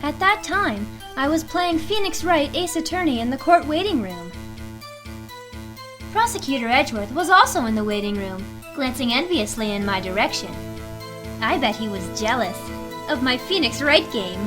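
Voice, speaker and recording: A woman's voice: high-pitched, lively intonation, normal speed. A woman in an English game fan dub playing a perky, cheeky, somewhat petulant teenage girl. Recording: amateur dub with background music.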